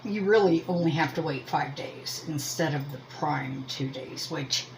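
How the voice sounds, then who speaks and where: A woman's voice: low-pitched, unhurried, slight background noise, low-quality recording. A woman from Pennsylvania with a Pennsylvania Dutch accent chats casually as the host of a homemade review, rambling and thinking aloud in a self-deprecating way. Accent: Pennsylvania Dutch American. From Lancaster County, Pennsylvania, US. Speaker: host of a crochet and yarn channel. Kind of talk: casual chatty product review.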